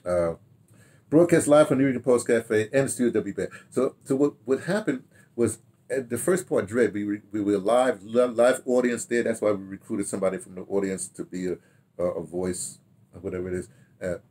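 An older man telling stories casually to camera in an animated, rambling way, repeating himself and trailing into asides. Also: fairly low pitch, moderate pace. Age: older, 60s or 70s. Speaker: radio drama director reminiscing. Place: small home study, indoors.

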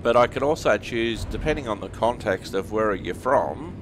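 A man's voice: on the low side, lively intonation, moderate pace. An Australian man chatting casually and reflectively, in a rambling way, while playing a driving game. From Australia (Western Sydney). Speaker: host of a truck simulator gaming series. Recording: vehicle engine and road noise behind voice. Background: truck simulator game sounds, engine and road.

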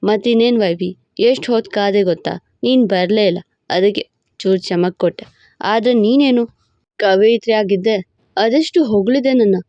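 A woman voicing a playful, cocky young husband in a storybook romance, with a low, smug, teasing drawl. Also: normal speed, dark tone, no echo, dull audio, close to an everyday voice. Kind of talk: storybook narration with voiced roles.

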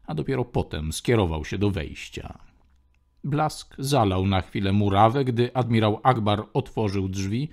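A man giving steady, even audiobook narration. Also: fairly low pitch. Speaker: audiobook reader.

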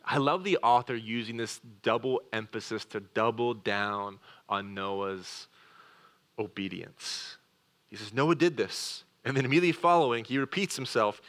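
A man preaching a sermon as a pastor, earnest, speeding through asides and slowing to quiet emphasis on key words, in a church. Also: medium pitch. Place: church sanctuary.

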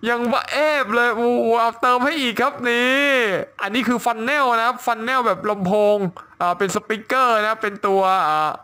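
A man with a high, bright voice walks viewers through a drawing step by step. He talks in a running, excitable commentary, full of exclamations of amazement. His tone stays sharp and lively throughout. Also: brisk, few pauses, clear, resonant tone. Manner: excitable, exclaims and laughs often. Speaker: drawing tutorial host.

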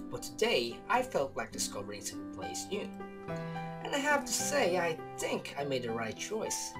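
A young man with a Filipino accent doing casual game commentary and reading story text aloud. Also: fairly high pitch. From Philippines. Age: young adult. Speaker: gamer hosting a let's play. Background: soft guitar music.

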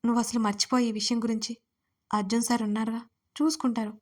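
A woman reading the lines of a kind, affectionate young woman in a narrated audio story, soft and consoling. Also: fairly high pitch, little pitch movement, fast, close to an everyday voice.

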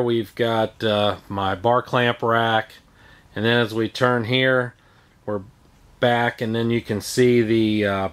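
A middle-aged man giving a casual, rambling walkthrough of his home woodshop, pausing often with fillers as he pans the camera around. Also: medium pitch. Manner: relaxed, rambling, many filler pauses. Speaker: woodworking channel host. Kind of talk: casual shop tour walkthrough. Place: large home woodshop, indoors.

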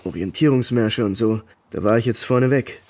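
Man acting haunted former soldier, audio drama, middle-pitched voice, halting confiding delivery, short clipped phrases. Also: darkish tone, natural voice. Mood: grave recounting. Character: troubled ex-legionnaire confiding in his girlfriend. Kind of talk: naturalistic German radio play acting.

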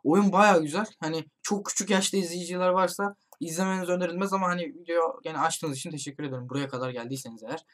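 A man playing a horror game online with friends, commentating for his channel and urgently shouting warnings to his teammates. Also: a little high, fast, few pauses. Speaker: gaming YouTuber. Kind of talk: excited let's-play commentary with friends.

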